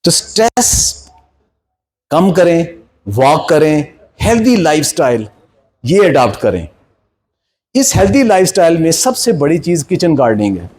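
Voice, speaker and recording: A man's voice: a little high, sing-song, measured pace, pauses often, a little mellow. A man in his sixties with a Pakistani Punjabi accent gives an informal health lecture, exhorting listeners in colloquial speech mixed with English terms. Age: 60s. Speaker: health speaker.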